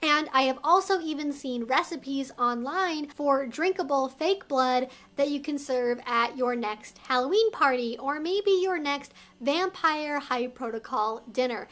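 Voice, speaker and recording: High-pitched woman presenting an explainer vlog. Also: unhurried, few pauses, a bit bright. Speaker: video host and educator. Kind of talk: semi-scripted explainer vlog to viewers.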